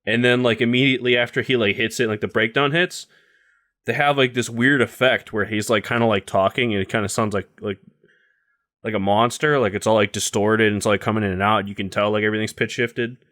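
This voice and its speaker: A man's voice: lowish voice, steady tone, a little fast, a bit bright. A young man co-hosting a podcast in casual chat, giving blunt opinions peppered with "like" and swearing. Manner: blunt, heavy use of "like", swears freely. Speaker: podcast co-host.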